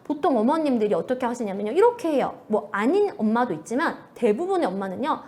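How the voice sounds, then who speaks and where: A woman's voice: on the high side, sing-song, fast talker, a little mellow. A young adult woman giving a live online lecture on early childhood education to parents, acting out parents and children in quoted lines. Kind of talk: live online lecture answering viewer questions.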